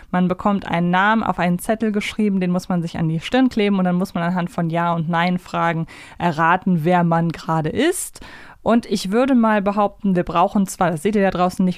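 A woman's voice: mid-range voice, clean tone, dry recording, clean studio sound. A woman hosting a podcast, chatting casually and bantering through a quiz game. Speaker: podcast host.

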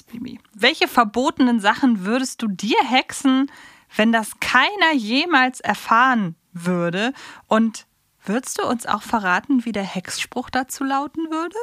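A woman's voice: fairly high pitch, fairly bright tone, no room sound, clean studio sound. A woman co-hosting a fan podcast in a casual, chatty style. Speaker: podcast co-host.

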